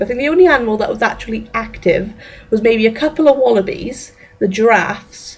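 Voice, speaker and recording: Over noticeable background noise, a woman with an English accent mumbles at a fairly quick pace. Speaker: cross stitch vlogger. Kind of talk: casual vlog chat. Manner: fast; mumbling.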